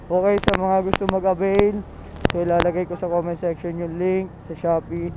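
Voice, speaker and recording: Here a Filipino man records a motorcycle vlog in outdoor traffic, speaking casually to his audience and frequently repeating brief phrases. His voice sits high with little pitch movement, at a normal speed. The sound is dull and lo-fi, heavy with traffic and engine noise.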